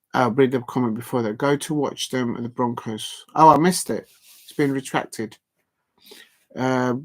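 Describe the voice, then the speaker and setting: Male football streamer, casual late-night sign-off, filler-heavy ramble, ordinary middle pitch. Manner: rambling, filler-heavy, reading out chat shout-outs. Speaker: football watch-along streamer. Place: at home at night with a TV on.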